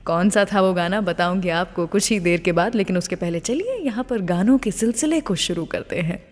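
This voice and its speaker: A woman's voice: fairly low pitch, a little fast, a little mellow, big-room sound. A woman hosting a radio show, presenting in a chatty storytelling way and addressing listeners directly. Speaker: radio host.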